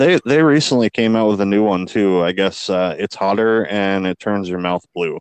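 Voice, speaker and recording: This is a normal speaking voice at a moderate pace, with ordinary pitch variation, hardly any pauses, and a dry, close sound with no echo. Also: man, fairly low pitch for a man. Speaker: podcast host. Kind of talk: casual chat, comedic banter.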